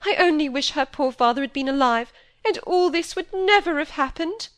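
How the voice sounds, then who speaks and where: A woman's voice: high voice, expressive, normal speed, a bit bright, voice pushed up. A woman voicing a self-pitying middle-aged stepmother with a plaintive, aggrieved manner.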